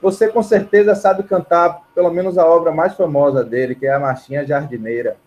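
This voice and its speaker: A man's voice: on the high side, brisk, lo-fi sound. A man from Bahia, telling stories casually as a musician guest in an interview. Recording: clear steady background noise.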